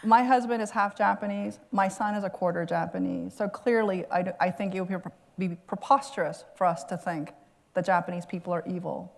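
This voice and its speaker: Lady author fielding a q&a at a lecture, kinda low voice, earnest, thinks out loud. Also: steady tone, a little fast, gravelly. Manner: earnest, reflective, laughs readily. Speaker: author answering audience questions. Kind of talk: lecture Q&A answer. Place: lecture hall.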